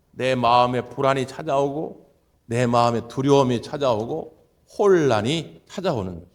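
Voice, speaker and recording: A man preaching a sermon to his congregation, stressing points with repeated phrases and bursts of louder, higher speech. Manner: emphatic preaching with repeated phrases and sudden rises in pitch and volume. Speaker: pastor. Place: church sanctuary.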